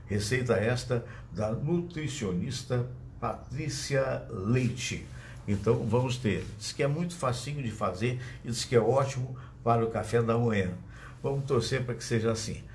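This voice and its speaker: A man's voice: mid-range voice, moderate pace, darkish tone, a little hiss or hum. A man with a Brazilian Portuguese accent hosting a live show, chatting in a digressive way and speaking straight to his audience, talking into a phone that he uses as a microphone. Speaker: host. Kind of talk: casual live show commentary. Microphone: phone used as microphone.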